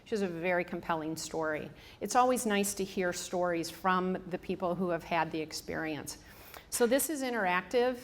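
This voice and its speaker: A woman's voice: lowish voice, expressive, normal speed, slight background noise. A woman in her fifties with a strong Michigan accent, giving a casual public talk to an audience with many ums and restarts. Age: 50s. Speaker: hospice staff speaker. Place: room with a live audience.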